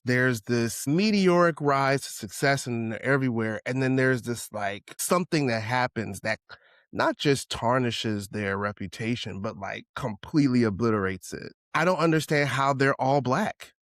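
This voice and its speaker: Rambling and restarting often, a co-host talks through his thoughts in a casual podcast chat, regularly asking "right?". His medium-pitched voice is animated and fairly bright at a measured pace, recorded dry in a studio.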